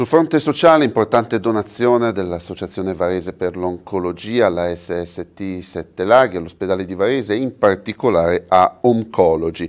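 In a very clean recording with a silent background, a man with a very deep, low pitch and ordinary pitch variation speaks with hardly any pauses. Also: moderate pace. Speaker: news anchor. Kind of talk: newsreading. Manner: formal.

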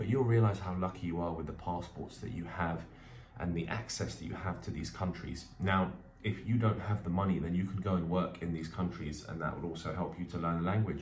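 A man's very deep, low voice at a fairly quick pace, with ordinary pitch variation, audible room echo and light background noise. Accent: London. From London, England. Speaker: vlogger. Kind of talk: casual vlog monologue. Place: home room. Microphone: phone near.

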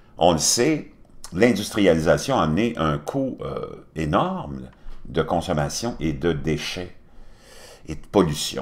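A man with a Quebec accent, a very deep, low pitch, vocal fry and lively intonation, at a very slow pace with long, frequent pauses. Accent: Québécois French. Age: 60s. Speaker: online news commentator. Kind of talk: commentary monologue. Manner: casual, with frequent hesitations. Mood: critical, concerned.

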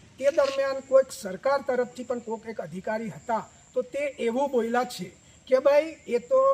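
With ordinary pitch variation, a man talks in an extremely high register. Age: 60s. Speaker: villager. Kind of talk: interview complaint.

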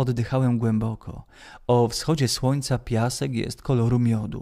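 Speaking at a fairly slow pace, a man with a gentle, dark, mellow tone keeps a medium pitch with ordinary pitch variation in a very clean recording with a silent background. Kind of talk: literary audiobook reading. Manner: measured, gentle storytelling pace; softly expressive, shifting tone between narrator and quoted characters.

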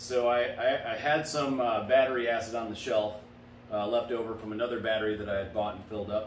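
The speech runs at a fairly quick pace, with audible room echo and light background noise. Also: man. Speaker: motorcycle repair channel host. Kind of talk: casual vlog chat. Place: garage. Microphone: camera far.

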